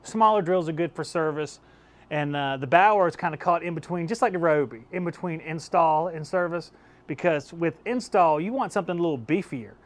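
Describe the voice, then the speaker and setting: A man's voice: on the high side, brisk. Chatty man testing tools in a workshop. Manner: chatty and easygoing, laughs at his own results. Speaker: tool-testing YouTube host. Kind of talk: casual hands-on tool review. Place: home workshop with shelves of power tools, indoors. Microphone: clip-on lapel mic.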